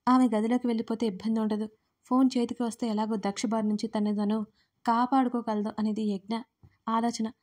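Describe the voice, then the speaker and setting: A woman narrating an audio drama series in steady, emotive storytelling. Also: fairly high pitch, fairly quick.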